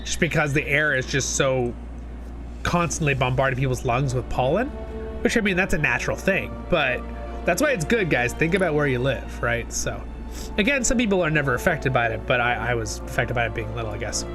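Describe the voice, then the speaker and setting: A man's voice: medium pitch, expressive, fairly quick. Chatty young man, sniffly from a cold. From Southern California. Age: 20s. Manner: rambling, chatty, talks to chat. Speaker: streamer. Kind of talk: casual live-stream chat. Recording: music playing behind.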